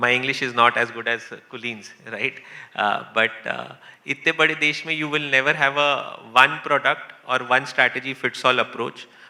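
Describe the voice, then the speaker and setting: A man with an Indian accent at a moderate pace, his intonation fairly even. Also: medium pitch for a man. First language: Hindi. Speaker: insurtech executive, panelist. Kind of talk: panel discussion.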